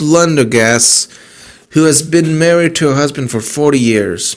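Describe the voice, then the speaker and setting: A man's voice at a very even loudness. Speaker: anime reviewer. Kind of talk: video review commentary. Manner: slower, less confident than now.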